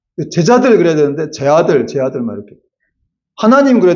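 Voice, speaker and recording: The speech races at a very fast pace with very wide pitch swings, and audible room echo surrounds it. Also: man. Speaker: pastor. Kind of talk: sermon. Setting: church. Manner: slurred pronunciation when speeding up.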